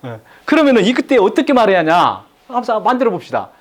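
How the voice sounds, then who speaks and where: A man's voice: sits high, wildly swooping pitch, quick pace. A middle-aged man giving a live lecture to an audience, repeating key phrases and having them echo him back.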